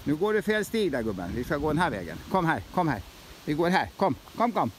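A man's voice: a little high, sing-song. A middle-aged man talking casually as he films a walk outdoors. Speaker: moose keeper filming a walk. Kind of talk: casual outdoor narration, calling to animals. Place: forest path outdoors. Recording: noisy outdoor phone video. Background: outdoor ambience.

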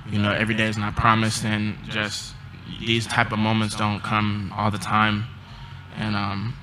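A young man and college basketball player answering postgame press questions in a subdued, halting way, with many pauses and ums, into a table mic. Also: lowish voice, completely flat delivery, pushed and bright, slight background noise, rough recording. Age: young adult. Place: press conference room.

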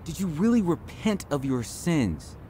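An actor playing a compassionate, patient Christian friend, exhorting earnestly in a radio drama. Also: male voice, on the high side, big pitch swings, measured pace, mellow, a little hiss or hum. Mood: earnest, consoling. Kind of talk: radio drama acting, reciting scripture.

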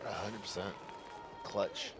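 Deep-voiced man analysing sport. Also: steady tone, takes it slowly, music in the background. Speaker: color commentator. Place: outdoor paintball field.

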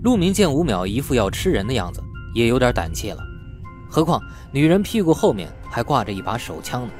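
A man's voice: mid-range voice, very animated, brisk, faint music behind. A man reading scripted novel narration as an audiobook narrator.

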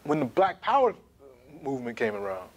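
A man in his thirties giving an emphatic, animated history lecture to camera in a small studio. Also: medium pitch, a little fast. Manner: animated, emphatic, gesturing while pacing.

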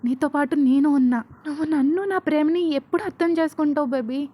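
Woman doing unhinged obsessive young man, ranting, shouting, high voice, storybook. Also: fairly quick, close to an everyday voice. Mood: raging.

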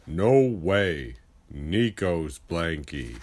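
A woman's voice: a bass voice, very animated, very slow, a little mellow, pitched below the performer's own voice, heavily acted. A woman voicing a big, stubborn, possessive male dog from a storybook, in blunt, terse refusals. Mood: possessive, refusing.

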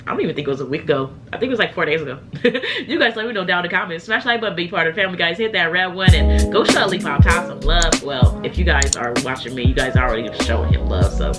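A woman's voice: lowish voice, expressive, quick pace, hardly any pauses, music in the background. A young woman hosting a reaction video in a small room, chatting to viewers while she has a slight cold. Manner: chatty, addresses viewers as "you guys". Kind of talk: casual reaction chat. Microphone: webcam, headphones on.

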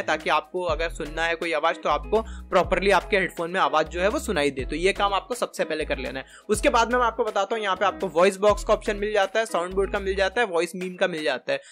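A man in his twenties giving a casual, chatty software tutorial step by step into a close desk microphone. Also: high-pitched. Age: 20s. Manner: chatty, informal, explains step by step. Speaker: tutorial host. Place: small indoor room at a desk.

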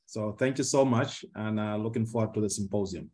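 A man from Zambia in his fifties, a law professor giving a formal, measured presentation on a video call, with frequent fillers. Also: fairly low pitch, dark tone. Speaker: guest speaker, law professor. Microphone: computer mic on a video call.

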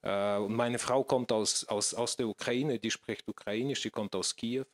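Male panel guest, 30s, Russian accent, halting speech, handheld mic on stage. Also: medium pitch, steady tone. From former Soviet Union. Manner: hesitant, searching for words, many restarts. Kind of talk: panel discussion. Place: stage in a small theater, indoors. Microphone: handheld microphone.

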